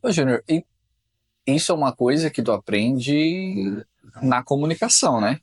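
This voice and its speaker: A man hosting a casual podcast interview, relaxed and agreeable, often answering with short affirmations. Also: mid-range voice, a little slow, dry recording. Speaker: podcast host.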